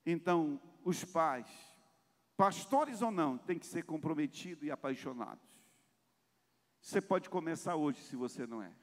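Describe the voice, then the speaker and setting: A man with a high voice preaching to his congregation at a family seminar. His delivery is impassioned, and his voice often swells louder as he presses a point. Long reverb from the church hall trails after his words. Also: lively intonation, normal speed. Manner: addresses congregation directly. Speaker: pastor.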